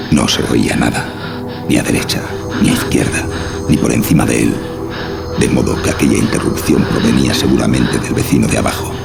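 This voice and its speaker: A man with an extremely low voice, thick with gravelly creak, narrates a horror tale. His delivery is measured and literary. Music plays clearly behind him. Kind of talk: scripted narration of a horror story. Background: clearly audible music.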